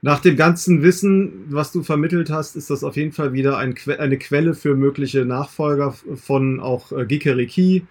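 A man's voice: a little high, normal speed, few pauses, darkish tone, husky. A man chatting casually as a guest and co-interviewer on a podcast.

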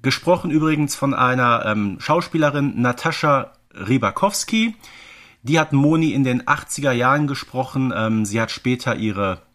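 A man's voice: mid-range voice, animated, moderate pace, fairly bright tone. Informative man, podcast presenter. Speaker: podcast co-host. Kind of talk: casual explanatory podcast commentary.

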